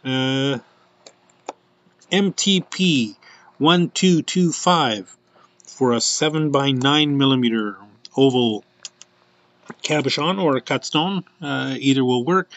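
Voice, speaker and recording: Guy rambling through a live jewelry showcase, lots of ums and uhs, middle-pitched voice, kinda dull sound. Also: unhurried, fairly bright tone. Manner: chatty and rambling, with many fillers. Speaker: host presenting jewelry findings. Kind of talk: casual live product showcase.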